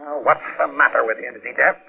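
A man's voice: mid-range voice, quick pace, vocal fry, slightly rough. An actor playing a brusque, impatient man on the road in a 1940s radio drama. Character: brusque, impatient male motorist. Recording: tinny 1940s radio recording.

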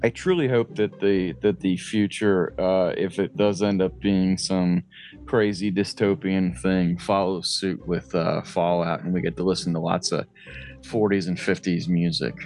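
A man's voice: sits low, fairly even intonation, measured pace, darkish tone, soft background music. A man co-hosting a podcast in casual conversation, with a wry manner and casual swearing. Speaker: podcast co-host. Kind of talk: casual chat.

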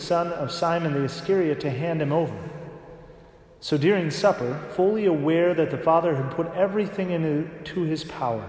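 Priest with rising pitch in a cathedral echo. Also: male voice, a little mellow. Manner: talks in a casual way with frequent "right?" tags. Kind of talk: Gospel reading and homily at Mass. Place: large church. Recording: long echoing church reverb.

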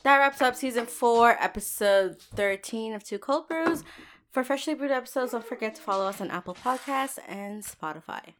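A woman co-hosting a podcast, chatting casually and excitably with giggles. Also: on the high side, normal speed, soft background music. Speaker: podcast co-host. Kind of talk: casual chat.

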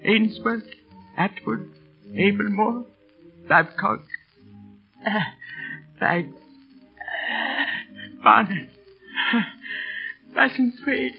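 A very old British man, a gentle, absent-minded schoolmaster in a radio play. His voice is high and creaky, faltering and wistful, on a muffled old broadcast. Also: drawn-out words, long pauses, soft background music, exaggerated voice. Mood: wistful reminiscing. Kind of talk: classic radio drama acting.

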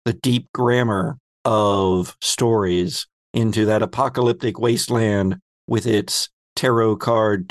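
A man hosting a tabletop game podcast as game master, narrating the story in a measured, dramatic way. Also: mid-range voice, no echo.

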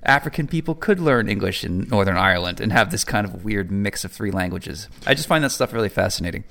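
A man co-hosting a podcast in casual chat, animated and quick to laugh. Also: fairly low pitch, creaky. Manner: animated, quotes people in put-on voices, laughs easily. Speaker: podcast co-host.

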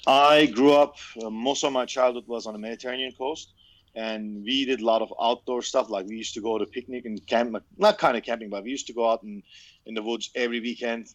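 A man's voice: medium pitch, fairly even intonation, fairly quick, no echo, muffled recording. A man, casually telling his story on a podcast, candid and swearing, laughing easily. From Turkey. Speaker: knife maker, podcast co-host.

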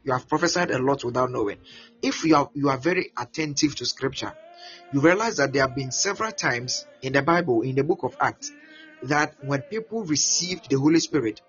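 A man's voice: medium pitch, a little fast. A Ghanaian man preaching a teaching sermon, repeating words often as he explains. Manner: repeats words, animated, acts out prayers and voices. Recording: muffled lo-fi with faint music.

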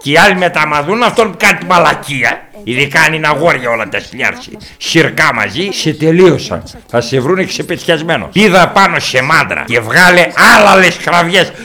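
In an improvised comic monologue reacting to videos, a man plays a blunt, boastful rural uncle with a rural Epirus Greek accent. His fairly high voice is animated and sharp as he swears freely and spins tall tales.

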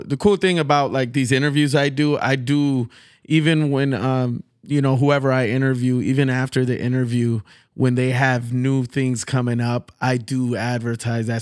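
An American man interviews a guest as a podcast host. His talk is casual and supportive, with an informal feel. His voice is mid-pitched and recorded dry, with little room sound. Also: steady tone, moderate pace, no echo.

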